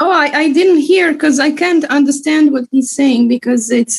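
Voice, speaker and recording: A woman's high-pitched voice comes through over a quiet background. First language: Serbian or Croatian. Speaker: devotee. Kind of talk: casual chat. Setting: video call. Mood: emotional, grateful. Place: home room. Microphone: video call.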